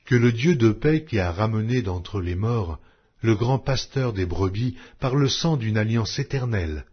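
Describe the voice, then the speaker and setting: A man with a low, husky voice reads scripture aloud as a solemn narrator. His delivery is measured and declamatory, rising and falling widely in pitch. The recording is dull and lo-fi. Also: expressive. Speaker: audiobook narrator reading scripture. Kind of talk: solemn scripted Bible reading.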